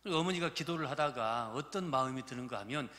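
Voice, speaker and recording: A man in his fifties, a pastor from Gurye in South Jeolla, Korea, preaches a folksy, joking sermon to his congregation in a church sanctuary. His medium-pitched voice is bright and forceful, with lively intonation and a quick pace, and he has a Jeolla Korean accent. The recording carries the reverberation of the church hall.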